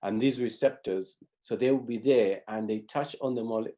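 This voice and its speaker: A man's voice: mid-range voice, normal speed, dark tone. A middle-aged man from Zambia teaching a youth class, explaining step by step and often restarting his phrases. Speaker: pathfinder honour instructor. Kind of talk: teaching a class over video.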